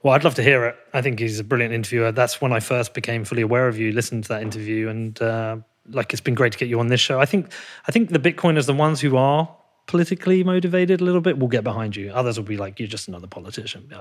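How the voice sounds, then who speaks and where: A man's voice: mid-range voice, fast. A man with a British accent hosting a podcast, chatting in a casual, blunt and informal way. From Britain. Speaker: podcast host. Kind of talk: casual interview chat.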